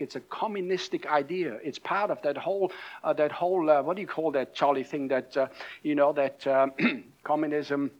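A man's voice: a little high, highs cut off. A middle-aged man from Austria with a German-accented English, preaching a conversational sermon with many fillers and restarts. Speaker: pastor.

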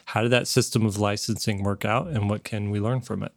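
A man's voice: fairly low pitch, fairly even intonation, a little fast, no echo. A man in his forties hosting a podcast, reading listener questions aloud in an easygoing way. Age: 40s. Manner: easygoing, laughs along. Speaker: podcast host.

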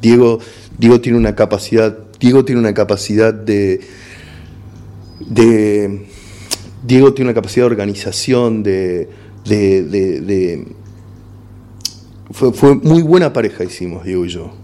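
Mellow-voiced Argentine comedian, frank and halting. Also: male voice, fairly low pitch. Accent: Argentine Spanish. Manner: frank, repeats words and restarts while searching for words. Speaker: stand-up comedian guest. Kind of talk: casual interview chat.

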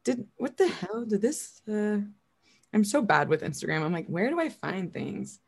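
A woman hosts a relaxed podcast interview, animated and easily amused, with a loose, casual way of talking that slips into swearing. Her voice sits at an ordinary middle pitch. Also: moderate pace, creaky, breathy edge. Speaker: podcast host.

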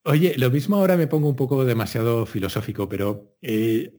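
A man hosting a podcast interview, asking reflective questions in a relaxed, chatty way. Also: medium pitch, a little fast. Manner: reflective, thoughtful questions, laughs along. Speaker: podcast host. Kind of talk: casual interview chat.

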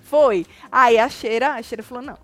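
A woman's voice: medium pitch, brisk. A woman hosting a live show, chatting casually about gossip and acting out the voices of the people she quotes. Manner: animated, acts out quoted voices while retelling.

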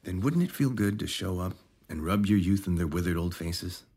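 An actor playing a probing, officious rejuvenation officer in an audio drama, measured and insinuating. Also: male voice, deep voice, darkish tone, husky. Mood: needling.

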